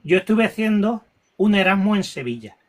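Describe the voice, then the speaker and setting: A man telling a painful personal story, halting with restarts and repetitions, audibly moved and close to tears. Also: sits high, lively intonation. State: emotional, near tears. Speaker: guest recounting a paranormal experience.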